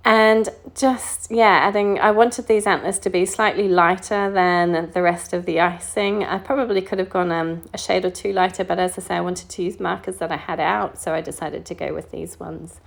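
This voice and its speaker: Middle-aged New woman, low-pitched, relaxed chatty crafter voice-over, easygoing. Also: normal speed, creaky, few pauses. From New Zealand. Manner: chatty and relaxed, with frequent ums and small laughs. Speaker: card-making crafter. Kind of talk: casual voice-over narration while colouring. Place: home craft desk.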